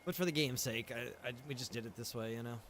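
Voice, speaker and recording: A man's voice: mid-range voice, quick pace, fairly bright tone, slight background noise. Easygoing man rambling through game commentary. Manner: casual, rambling, thinks aloud with chuckles. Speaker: streamer and game server developer. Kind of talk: live-stream gameplay commentary.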